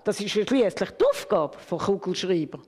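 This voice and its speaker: A woman's voice: mid-range voice, expressive, normal speed, darkish tone, husky. A woman voicing a slim black pen who speaks in a matter-of-fact, lecturing way, with long hall reverb. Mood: sober. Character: slim black pen, know-it-all and pitying.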